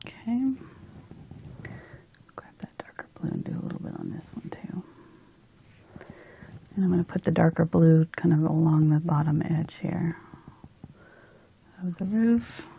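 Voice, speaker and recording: Woman doing a chatty painting tutorial, creaky slightly low voice, talks to herself while working. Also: a little slow, pauses often, dark tone, slight background noise. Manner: giggly, informal, thinking aloud while working. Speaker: host, painting instructor. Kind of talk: casual live painting tutorial with banter.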